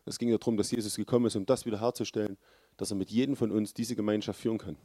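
A man preaching a sermon, with earnest, loud emphasis that drops to low, quiet lines. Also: steady tone, racing, dry recording, clean studio sound.

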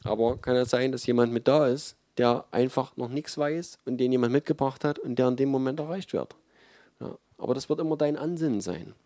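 A man's voice: mid-range voice, brisk, dark tone, no echo, studio quality. A man giving a sermon in a conversational, emphatic way, with frequent fillers. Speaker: preacher.

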